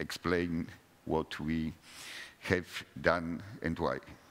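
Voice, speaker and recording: A man with a non-native accent at a very slow pace, on a very clean recording with a silent background. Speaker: company founder. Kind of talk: conference talk. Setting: stage with audience. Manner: halting.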